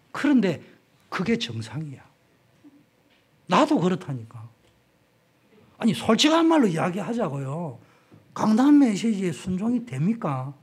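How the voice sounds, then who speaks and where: A man's voice: sits high, breathy edge. A middle-aged male pastor with a Gyeongsang accent, preaching in a frank, conversational way and acting out the dialogue in his stories. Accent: Gyeongsang Korean. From South Korea, Gyeongsang region. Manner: frank, conversational, acts out dialogue with sudden jumps in loudness. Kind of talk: sermon.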